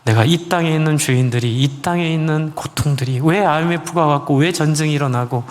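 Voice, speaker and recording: A male pastor voicing God as a gentle, fatherly speaker who explains calmly within a sermon story. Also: fairly high pitch, brisk, big-room sound, natural voice. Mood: tender.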